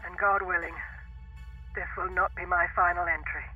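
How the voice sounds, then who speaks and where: A male actor plays the weary captain of a doomed mining ship in a science fiction audio drama. His voice sits high for a man and carries solemn, formal grief. Music plays clearly underneath. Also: fairly even intonation, normal speed, phone-quality sound, lightly acted. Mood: grieving, sombre. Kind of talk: dramatic sci-fi audio drama, log narration.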